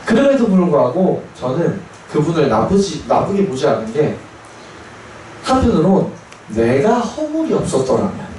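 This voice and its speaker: Animated monk preaching in an echoey hall. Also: male voice, high-pitched, recorded from a distance, a little hiss or hum. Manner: animated storyteller acting out quoted voices. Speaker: Buddhist military chaplain monk. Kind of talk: storytelling dharma talk.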